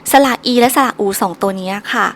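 A woman's voice: on the high side, fairly quick, very noisy. A woman teaching a solo recorded language lesson, patiently drilling each syllable three times over.

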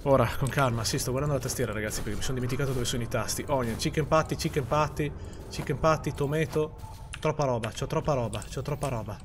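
A man's voice: medium pitch, quick pace, background noise. A man streaming a horror game, talking to his chat in casual live commentary, swearing and muttering as he plays. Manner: talks to the chat, swears, jumps from muttering to panicked shouts.

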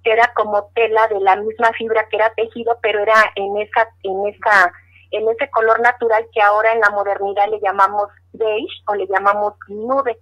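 A woman's voice: medium pitch, flat delivery, moderate pace. Earnest woman, lo-fi audio. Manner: earnest, repeats words and restarts while recalling. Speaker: interviewee. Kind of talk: personal storytelling. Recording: dull lo-fi audio.

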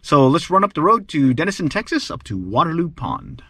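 Filmed on an action camera at a park pond pier, a fishing vlogger casually narrates his trip and chuckles as he covers his gear and catches. His voice is fairly high, husky, bright and forceful, with a brisk, sing-song delivery. There's no echo.

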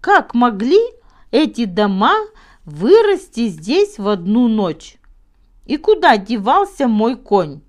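Proud elderly baron for a storybook played by a woman, high voice, very varied intonation, earnest tall-tale teller. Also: sing-song, a little mellow. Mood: earnest storytelling. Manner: self-important, earnest, deliberate. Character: proud old baron telling tall tales.

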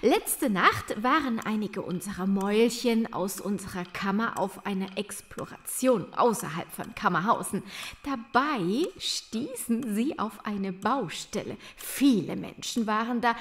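A woman's voice: a little high, expressive, a little slow, fairly bright tone. A woman playing a proud, brainy creature in a children's audio drama, explaining in a self-satisfied way.

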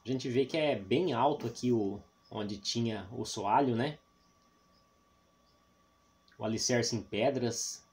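This Brazilian vlogger from Paraná takes it slowly, leaving long pauses, his medium-pitched voice darkish in tone. He's exploring an abandoned house with no roof and overgrown grounds, chatting to his viewers with frequent tag questions, and the handheld outdoor recording is noisy.

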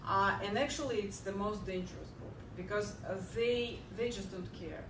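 A woman's voice: medium pitch, moderate pace. A woman, giving a keynote lecture from a podium and answering audience questions. She speaks earnestly, with many fillers and restarts. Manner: earnest, many fillers and restarts, animated when telling a joke. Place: large lecture hall, at a podium. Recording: echoey hall, heard from far off, clear background hum.

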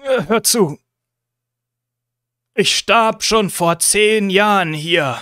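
A hoarse, decaying zombie uncle, put on by a man running a tabletop game, pleads and coaxes in a high voice, stumbling over his words. The sound is dry and close, with no room around it. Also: pushed and bright, no echo, full character voice. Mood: coaxing. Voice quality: hoarse, strained voice. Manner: pleading, repeats the name, halting restarts. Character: undead zombie uncle, decayed, coaxing and weary.

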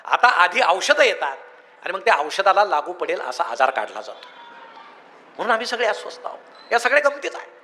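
High bright-voiced man telling jokes. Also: sing-song, a little fast. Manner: jokey storyteller, folksy anecdotes. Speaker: public speaker. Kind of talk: humorous motivational speech. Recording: echoey hall.

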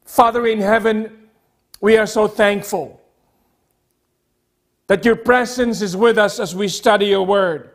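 A middle-aged man preaching a sermon as a pastor, speaking deliberately in short, emphatic phrases with repetition. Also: high-pitched, steady tone. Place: church sanctuary, at a pulpit.

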